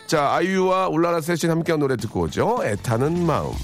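A middle-aged male radio host runs a call-in quiz at a fast clip. His pitch swings widely as he trades teasing jokes with callers and his co-host. The voice sits a little high for a man. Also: expressive, soft background music. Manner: joking, teasing, quick asides.

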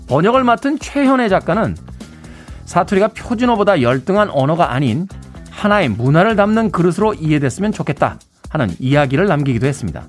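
A male radio host chats to his listeners from a studio, friendly and relaxed as he reads out their messages. His voice sits a bit high and swings through a lively range. Light music hums faintly in the background. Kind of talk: radio DJ talk.

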